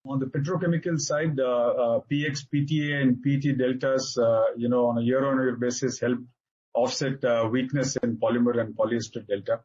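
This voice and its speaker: A man with an Indian accent presents as a finance executive on an earnings call, halting often with filler sounds. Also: mid-range voice, level tone, a little mellow, breathy edge. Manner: halting, hesitant delivery with frequent filler sounds. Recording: dull lo-fi conference call audio.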